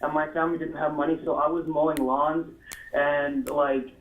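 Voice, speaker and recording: A man's voice: a little high, little pitch movement, normal speed, echoey room. Young man on a tinny phone line. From Estonia. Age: around 20. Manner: hesitant, frequent fillers. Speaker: caller. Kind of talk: phone call to a talk show.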